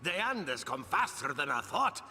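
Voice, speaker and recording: A breezy, high-voiced young guy. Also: very animated, normal speed, over music. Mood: casual. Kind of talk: dubbed video game dialogue.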